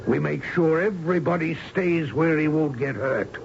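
Bullying enforcer, highish gravelly voice, gruff rough grammar, radio play, muffled noisy recording. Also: male voice, normal speed. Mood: bossy. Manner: gruff, uneducated, ungrammatical speech. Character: surly, bullying security enforcer with attack dogs. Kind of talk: radio drama acting.

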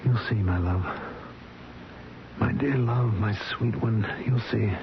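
Distraught doting husband, low pitch, halting, helpless, radio play acting, very noisy old broadcast. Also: male voice, highs cut off. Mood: pleading, tender. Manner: halting, faltering, repeating himself. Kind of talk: 1970s radio drama acting.

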